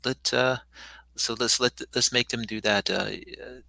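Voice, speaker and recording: A man playing a tabletop game, talking through tactics casually in a hesitant, halting way. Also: medium pitch, fairly even intonation, gravelly, sharp tone, dry recording.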